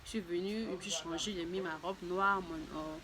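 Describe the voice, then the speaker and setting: Halting, word-repeating woman vlogger. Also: on the low side, crowd noise. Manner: halting, repeats words and restarts often; voices other people's lines in a raised, lively tone. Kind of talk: casual personal testimony to viewers.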